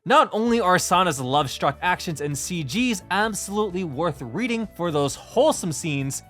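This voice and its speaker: A man's voice: high-pitched, a bit bright. A man narrating a scripted review as a video essayist, with emphatic, sing-song stresses on his phrases.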